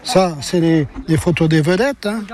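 An older man, a postcard collector, answering in a halting, hesitant way at a flea market stall. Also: fairly high pitch, crowd noise. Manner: hesitant, halting, full of fillers.

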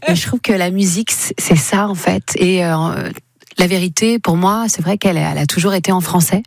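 A woman's voice: on the low side, fairly quick, vocal fry, no room sound, studio quality. A woman singer-songwriter talking casually in a radio interview, hesitant and full of fillers. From France. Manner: hesitant, many fillers and restarts.

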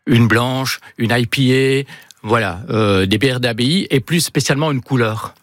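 A man's voice: medium pitch, unhurried, dry recording, studio quality. A middle-aged man with a Belgian accent talking casually as an interview guest, a little hesitant and full of filler tags. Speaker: interview guest, self-taught cook and author.

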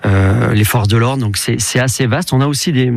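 A man being interviewed on radio as a company head, explaining eagerly with quick restarts and repeated words. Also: mid-range voice, gravelly, dry recording. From France. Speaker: company CEO, interview guest.

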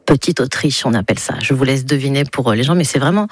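A woman's voice: very deep voice, fast, breathy edge, no echo, clean studio sound. A woman from Nice in her thirties, speaking without an accent, chatting as a radio guest with a ready laugh and many hesitations. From Nice, France. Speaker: actress, guest. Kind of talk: radio interview.

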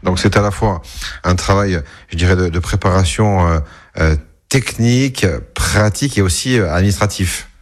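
A man hosting a radio interview, measured and hesitant with fillers. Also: deep voice. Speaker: radio host.

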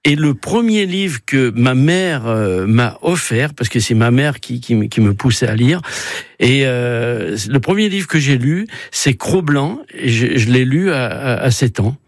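A man's voice: mid-range voice, lively intonation, a little slow, no room sound, clean studio sound. A middle-aged man from Savoie, a novelist guest on a radio interview, speaking thoughtfully with many hesitations. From France (Savoie). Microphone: studio microphone.

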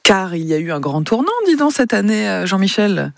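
A woman hosting a local radio game show, bubbly and chatty, talking in quick run-on sentences into a studio microphone. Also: medium pitch, very animated, creaky, dry recording.

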